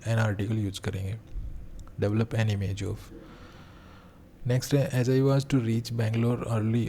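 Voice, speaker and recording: A male English teacher giving an exam-prep grammar lesson, explaining step by step and slowing down to read example sentences aloud. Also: on the low side, warm tone, a little hiss or hum.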